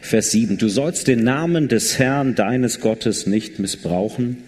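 German-speaking preacher in echoing hall. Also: male voice, medium pitch, measured pace, a little mellow. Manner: casual, conversational preaching with dramatic retelling. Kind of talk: sermon. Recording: long reverb of a large hall. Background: congregation.

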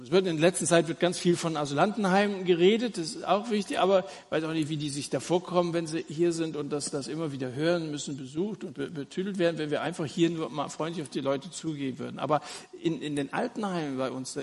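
A man preaching an earnest, inviting sermon and speaking directly to his listeners. His voice sits fairly high and sounds a little husky. A long reverb from the church hall trails behind his words. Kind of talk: evangelistic sermon.

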